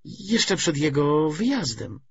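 A man voicing a brisk, wry, self-assured young communist woman in an audiobook novel, talkative with a feigned lightness. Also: fairly high pitch, sing-song, gravelly, husky, lo-fi sound, pitched above the performer's own voice, full character voice. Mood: forced lightness.

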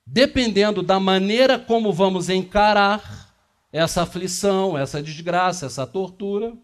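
Filmed from the far side of a small meeting room, a fiftyish man with a fairly high voice lectures at a spiritist center at a normal speed. His delivery is conversational; he quizzes the audience while moving about and gesturing.

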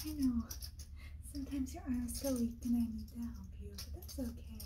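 A young woman doing a soft-spoken, half-whispered ASMR roleplay as a kindly leprechaun queen, gentle, cooing and doting, close up in a small room. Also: a little high, noisy background. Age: young adult.

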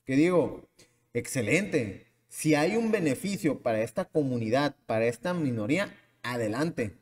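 A man's voice: mid-range voice, animated, moderate pace, darkish tone, big-room sound. A man hosting a podcast, giving his opinions in a rambling monologue and often answering his own questions. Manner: rambling, restarts often, asks himself questions. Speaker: podcast host.

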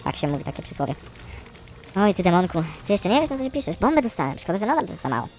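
A man's voice: sits high, sing-song, racing, soft background music. Grumbling man narrating his gameplay. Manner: chatty, grumbling, bursts of frustrated yelling. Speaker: gaming streamer. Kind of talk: casual gameplay commentary.

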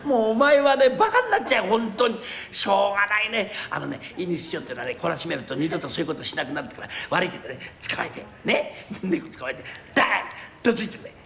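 A man's voice: high voice, lively intonation, quick pace, vocal fry, fairly bright tone, exaggerated voice. Man playing a fussy, scolding house master. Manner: scolding, teasing. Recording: echoey TV hall with noise.

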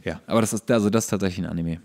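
Male podcast co-host, lowish voice, informal, detailed explainer of trivia. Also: rapid-fire, darkish tone. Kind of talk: casual chat.

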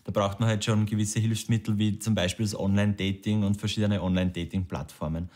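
A thirty-year-old man, talking in a relaxed, plain way in an interview at home. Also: on the low side, fast. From Lower Austria. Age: 30s. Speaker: dating show candidate. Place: home kitchen.

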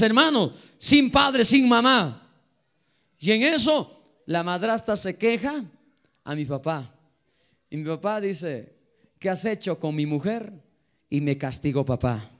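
A man preaching a sermon as a pastor, fervent, breaking into shouted exhortations. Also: high voice.

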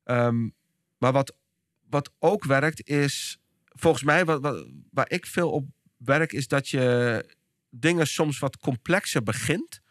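Man, Dutch accent, thoughtful, halting, mid-pitched, dry sound. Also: fairly bright tone, no echo. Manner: thoughtful, searching for words with many restarts. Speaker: podcast guest, behavioral scientist and speaker. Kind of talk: casual podcast conversation.

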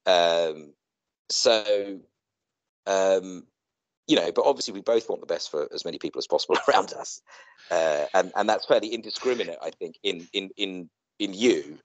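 A middle-aged man with a fairly low voice talks casually on a video call. He rambles and halts, circling back over his own phrases, and the sound is close and dry with little room in it. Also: normal speed, dry recording, poor audio. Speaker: co-host in a two-person online chat.

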